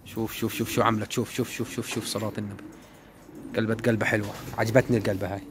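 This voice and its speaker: A man, giving a casual, animated running commentary while flying his pigeons outdoors. He repeats words and calls out to the birds. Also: fairly low pitch, rapid-fire, noisy background. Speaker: pigeon keeper vlogger.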